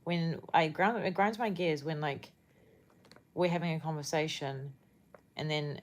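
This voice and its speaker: A young woman from New Zealand, whose voice sits low and unhurried, talks casually with her livestream audience. She rambles and often gropes for words.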